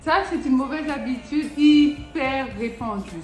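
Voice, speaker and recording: A woman's loud voice at a fairly slow pace with ordinary pitch variation, audible room echo and music in the background. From France. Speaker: personal finance youtuber. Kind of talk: advice talk to camera. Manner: casual, conversational.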